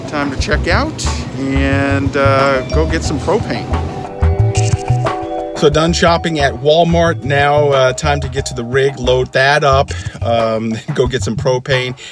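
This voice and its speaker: A man's voice: mid-range voice, fairly even intonation, slow. A middle-aged man chatting casually as an RV vlogger, upbeat with lots of fillers, filmed on a phone at arm's length. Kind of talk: casual travel vlog with voice-over. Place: inside a car, then outdoors by an RV. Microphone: phone held at arm's length. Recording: music bed playing under the voice. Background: background music.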